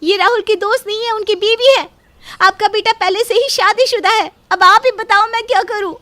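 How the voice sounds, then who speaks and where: High-pitched woman, emotional and pleading. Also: steady tone, normal speed, sharp tone, dry recording. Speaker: voice actor in an audio story. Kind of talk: dramatic storytelling dialogue.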